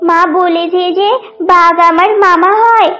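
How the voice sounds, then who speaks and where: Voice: very high-pitched, fairly even intonation, a little slow, sharp tone, dull audio, exaggerated voice. A performer voicing a fearless, cheeky little duckling child in a children's cartoon, with music behind.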